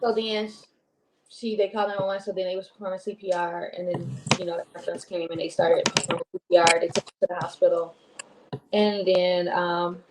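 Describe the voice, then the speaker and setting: Low-voiced woman co-hosting a live chat, echoey room. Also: flat delivery, a little fast. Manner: rambling, heartfelt, many ums and restarts. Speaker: co-host. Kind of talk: casual live-stream chat. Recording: echoey room with faint noise.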